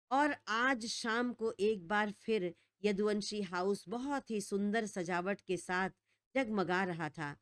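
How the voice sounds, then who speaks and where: A woman storyteller giving a scripted, expressive narration of a romance story. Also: mid-range voice, no echo, studio quality.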